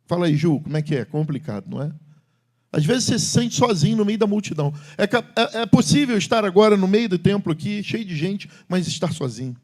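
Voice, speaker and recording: A middle-aged male pastor preaching in a church sanctuary. His delivery swings widely, rising into loud, emphatic calls and then dropping into low, confiding tones. He speaks directly to the congregation. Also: expressive, brisk. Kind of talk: sermon.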